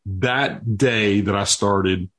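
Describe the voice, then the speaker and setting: A man's voice: fairly low pitch, drawn-out words, fairly bright tone. A man in his fifties, an interview guest, telling personal stories earnestly with frequent restarts. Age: 50s. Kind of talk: interview storytelling.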